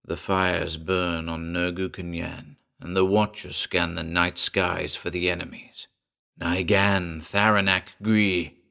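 A man's voice: sits low, level tone, slow pace, gravelly, sharp tone, clean tone, full character voice. A man voicing a shaken man who drifts into dreamy, guttural trance memories, muttering his words. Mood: trancelike. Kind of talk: audiobook dialogue reading.

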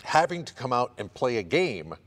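A man hosting a sports call-in style radio program, his voice climbing as he sets up each question. He talks in a steady, medium-pitched broadcast manner, recapping games and scores. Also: normal speed. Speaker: radio show host.

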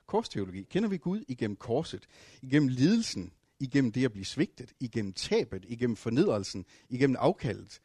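A man preaching a sermon, telling stories with dramatic swings between loud and hushed passages. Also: mid-range voice, very animated, slightly rough, no room sound, studio quality. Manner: storytelling with fillers and restarts.

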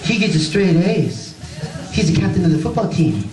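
Man as Korean mom, boastful, broken English, high swooping exclamations, stand-up, echoey crowded room. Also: big pitch swings, moderate pace. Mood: scornful boasting. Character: boastful, doting Korean mother praising another boy. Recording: echoey live room, distant mic, loud crowd.

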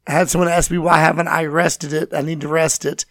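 A man with a scratchy, hoarse voice, teaching and reading scripture as host of a Bible program. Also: on the high side, little pitch movement, brisk, fairly bright tone, dry recording, clean studio sound. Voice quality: scratchy, raspy. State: hoarse from voice loss, recovering.

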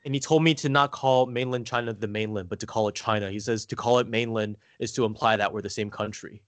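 A man's voice: fairly low pitch, fairly even intonation, quick pace, fairly bright tone, dry recording. An American man chatting casually as a guest, rambling and hesitant with lots of "like" fillers. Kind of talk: casual conversation.

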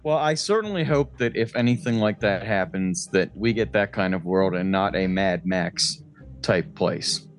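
A man's voice: sits low, animated, moderate pace, soft background music. A man co-hosting a podcast in casual conversation, with a wry manner and casual swearing. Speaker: podcast co-host. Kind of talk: casual chat.

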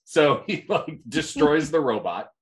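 Animated man retelling comics with laughs. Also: on the high side, a little slow. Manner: animated storyteller, laughs while talking. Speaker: podcast host. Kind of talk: casual comic recap chat.

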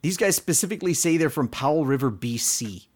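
Animated Canadian man chatting. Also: on the high side, brisk. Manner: animated, mock voices when quoting. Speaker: podcast co-host. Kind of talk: casual chat reviewing a show.

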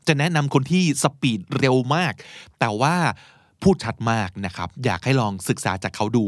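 A Thai man hosting a podcast, teaching English in a chatty, encouraging way with slow explanations. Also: mid-range voice, sing-song, no echo, clean studio sound. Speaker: podcast host. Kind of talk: casual English lesson.

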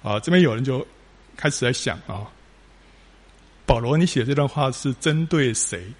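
A man's voice: medium pitch, moderate pace, husky. A man preaching a sermon, telling stories with rising emphasis and frequent filler particles.

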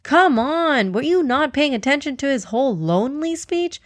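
A woman's voice: high-pitched, expressive, moderate pace, no echo, clean studio sound, voice pushed up. A woman voicing an impatient, sarcastic, pushy female crocodile in a children's story. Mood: impatient, mocking. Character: impatient snappish mother-to-be crocodile.

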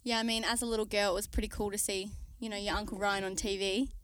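A woman's voice: medium pitch, flat delivery, fast, fairly bright tone, dry recording. Young Aboriginal Australian woman, casual interviewer.

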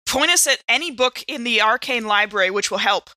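A woman's voice: on the high side, lively intonation, fairly quick, pushed and bright, no echo. A woman chatting casually as a player in a tabletop game.

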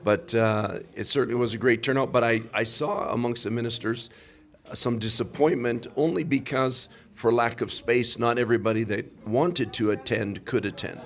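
A man's voice: mid-range voice, fairly even intonation, normal speed. A man hosting a Christian podcast, interviewing a local pastor and affirming him with frequent amens. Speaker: podcast host. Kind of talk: interview on a mission trip.

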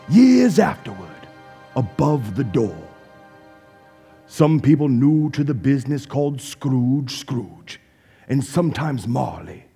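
Slow, dramatic male storyteller with creaky voice. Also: fairly high pitch. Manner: dramatic, deliberate, dropping at times to a hush. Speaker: narrator. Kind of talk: theatrical storytelling narration for a radio play. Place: stage in front of a live audience. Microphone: stage microphone.

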